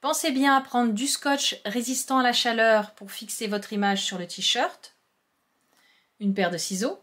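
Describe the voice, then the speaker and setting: A woman with a slightly high voice hosts a home crafting tutorial. She explains each step plainly and instructively, in a friendly tone, as if working at her own craft table. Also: a little slow, fairly bright tone.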